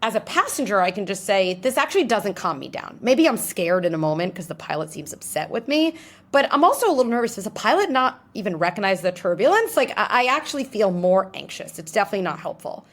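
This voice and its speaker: A woman being interviewed, explaining ideas in an animated way and acting out little scenarios in different voices. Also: mid-range voice, quick pace. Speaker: guest psychologist. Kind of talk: interview answers.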